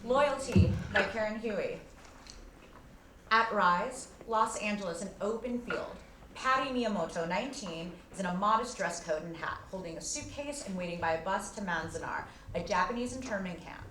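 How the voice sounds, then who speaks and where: A woman reading the stage directions of a play in an even, measured way. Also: mid-range voice, reverberant, a little hiss or hum, low-quality recording.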